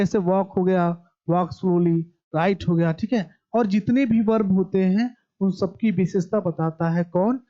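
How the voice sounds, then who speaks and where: A male teacher talks through a grammar lesson at an unhurried pace, repeating each term and answering his own questions. His voice is mellow and soft-edged. The recording sounds dull and lo-fi. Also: high-pitched.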